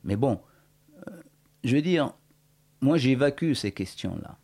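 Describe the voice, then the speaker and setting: A man's voice: mid-range voice, lively intonation, a little slow, darkish tone. A man in his forties from Morocco, a writer and guest in a radio interview, talking thoughtfully with many hesitations and restarts.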